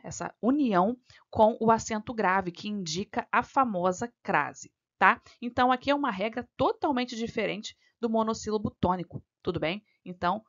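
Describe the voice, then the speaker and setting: A woman from Brazil tutors exam candidates through a grammar question, patient and methodical. She checks in constantly with her listener as she goes. The recording sounds a little dull and lo-fi. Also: medium pitch. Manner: frequent "tá?" and "né?" checks, patient step-by-step explaining. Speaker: exam-prep teacher.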